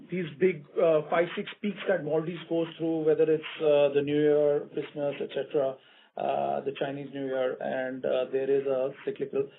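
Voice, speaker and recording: A male hospitality executive answering analysts' questions on a conference call, explaining in measured corporate phrases. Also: on the high side. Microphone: conference call line. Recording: tinny phone line with faint noise.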